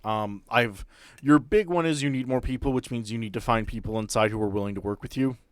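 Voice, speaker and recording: A man acting as game master, narrating and explaining a tabletop game in a deliberate, explanatory way. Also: mid-range voice, smooth, dry recording.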